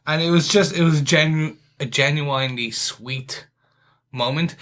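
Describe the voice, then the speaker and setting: A man with a bright, forceful voice co-hosts a casual podcast review. He speaks earnestly and keeps restarting his sentences. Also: a little high, unhurried. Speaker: podcast co-host.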